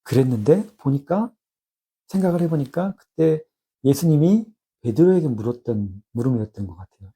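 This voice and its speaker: A man in his fifties giving a personal spiritual testimony, reflective and halting with many restarts. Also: medium pitch, expressive, dark tone, breathy edge.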